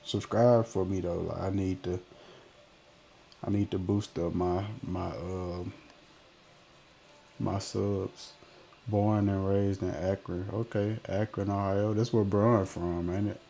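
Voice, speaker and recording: A man's voice: low voice, fairly even intonation, takes it slowly, vocal fry, long pauses, warm tone. A man in his twenties with a Memphis accent, chatting casually on a live stream, reading viewer comments in a laid-back, slangy way. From Memphis, Tennessee. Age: 20s. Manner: laid-back slang, trailing off mid-sentence.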